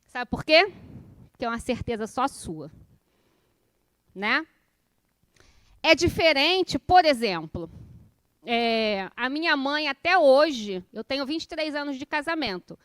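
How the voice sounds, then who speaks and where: A woman's voice: high-pitched, animated, slow, long pauses, fairly bright tone, no room sound. A woman in her forties with a Brazilian accent from Rio, giving an informal lecture in a colloquial, conversational way, often checking in with her listeners through questions. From Rio de Janeiro, Brazil. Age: 40s. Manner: conversational, colloquial, personal storytelling. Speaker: spiritist course lecturer.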